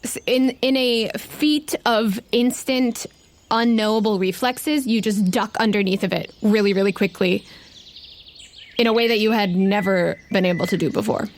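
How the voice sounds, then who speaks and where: A woman's voice: medium pitch, steady tone, normal speed. A woman game master improvising narration for a tabletop roleplaying game in a casual, conversational way. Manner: casual, conversational, uses "like" often.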